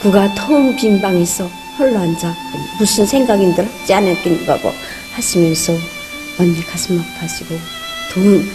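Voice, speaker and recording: A woman's voice: fairly low pitch, normal speed, over music. A woman with a North Korean accent recounting earnestly and reverently.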